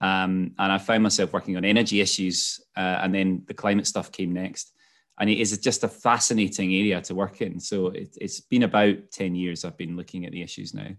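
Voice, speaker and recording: A man with a Scottish accent speaks at a fairly quick pace in a fairly low pitch, his intonation flat and monotone against a quiet background. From Scotland. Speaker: climate policy chief executive. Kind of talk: interview, webinar talk. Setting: video call. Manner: hesitant, filler-heavy.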